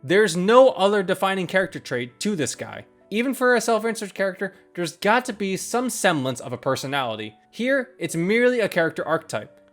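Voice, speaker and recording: Animated higher-voiced man reviewing over music. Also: brisk, few pauses. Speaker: video game reviewer. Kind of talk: scripted review narration. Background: ambient background game music.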